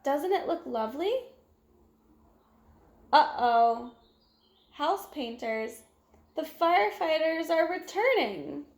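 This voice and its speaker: A woman with a high voice reads a picture book aloud for young children. She takes her time and narrates expressively, with animated exclamations. The room around her sounds echoey. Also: slow pace, pauses often.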